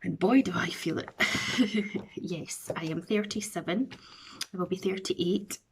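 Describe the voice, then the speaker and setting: Her pitch fairly low and her pace a little slow, a thirty-something beauty vlogger from Scotland talks casually to camera in her bedroom, rambling and running herself down. She has a runny nose, and there's a little hiss or hum on the recording.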